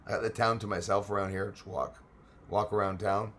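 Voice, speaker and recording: A man's voice: on the low side, steady tone, brisk, fairly bright tone. A middle-aged man from Quebec with a Québécois French accent, chatting casually on a live stream, reading viewer comments and laughing often.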